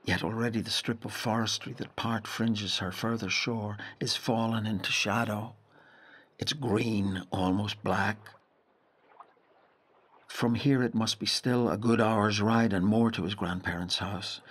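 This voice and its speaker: Storyteller for an audio drama, lowish voice, brooding and lyrical, really measured. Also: male voice, steady tone, fairly bright tone, breathy edge. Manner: measured, lyrical, deliberate phrasing. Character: brooding male storyteller of a boy's lonely journey. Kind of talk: literary audio drama narration.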